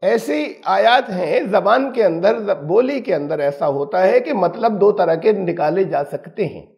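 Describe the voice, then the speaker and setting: A man's voice: high-pitched, lively intonation, darkish tone. A man giving an emphatic, explanatory religious lesson on scripture. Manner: explanatory, emphatic, uses everyday examples. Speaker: Quran teacher.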